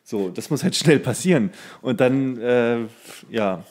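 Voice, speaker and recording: A man with a medium-pitched voice co-hosts a casual podcast. He talks in slangy, crude banter and tends to grumble and rant. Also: expressive, unhurried, a little mellow. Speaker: podcast co-host. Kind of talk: casual chat, ranting banter.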